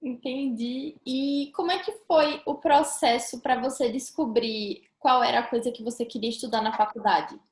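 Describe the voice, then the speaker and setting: A woman's voice: fairly high pitch, steady tone, normal speed, hardly any pauses, reverberant. A young Brazilian woman hosting a casual interview, chatty and upbeat. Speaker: YouTube host, interviewer.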